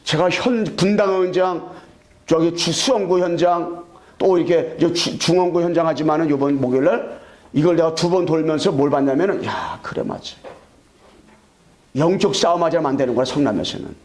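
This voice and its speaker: A man's voice: fairly high pitch, normal speed, darkish tone. A man preaching a fervent sermon as pastor, repeating himself and calling out to the congregation. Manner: fervent, repetitive, calls out to the congregation; acts out God's voice scolding.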